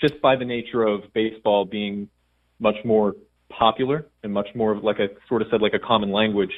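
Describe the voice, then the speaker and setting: A man with an American accent speaks in a plain, everyday voice at a fairly quick pace, his fairly low pitch held in fairly even intonation. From Central New Jersey (Somerville). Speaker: sports reporter. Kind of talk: phone interview. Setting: phone call.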